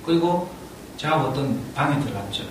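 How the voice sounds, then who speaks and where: A middle-aged man with a Gyeongsang accent tells a story to a lecture audience, his fairly high voice swinging widely in pitch. He is heard from a distance in a very echoey hall, with steady room noise underneath. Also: fairly quick. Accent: Gyeongsang (Daegu). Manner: animated storyteller, laughs often while telling. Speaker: parent speaking at a parenting lecture.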